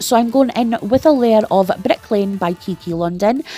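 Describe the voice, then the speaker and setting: A woman's fairly high, upbeat voice with lively intonation, music playing in the background. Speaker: nail tutorial creator. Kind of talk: nail tutorial voice-over. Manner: upbeat, chatty.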